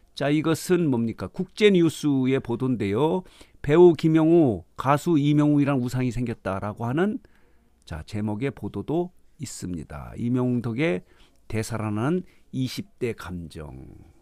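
Against a quiet background, a man with a dark, mellow tone and medium pitch makes very wide pitch swings. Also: fairly slow pace, dry sound with no echo. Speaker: news commentator / YouTube host. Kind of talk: news commentary narration. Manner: fluent, enthusiastic, with filler words.

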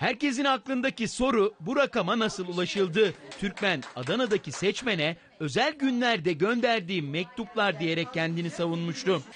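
A man's high voice with very wide pitch swings and hardly any pauses. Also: moderate pace. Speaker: news reporter. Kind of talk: news voiceover.

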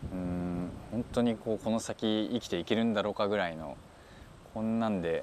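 Dry audio with no echo and light background noise carries a fairly even intonation at a moderate pace. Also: man, fairly low pitch for a man. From Niigata, Japan; Japan. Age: 20s. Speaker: campsite manager, rural migrant. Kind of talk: interview. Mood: reflective, gently smiling. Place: forest. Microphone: lapel.

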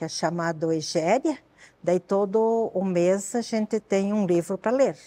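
The woman's tone is dark and mellow. She talks at a fairly slow pace. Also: ordinary pitch variation. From Rio Grande do Sul, southern Brazil. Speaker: retired teacher and writer; retired teacher. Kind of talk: TV talk show interview. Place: studio. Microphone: lapel.

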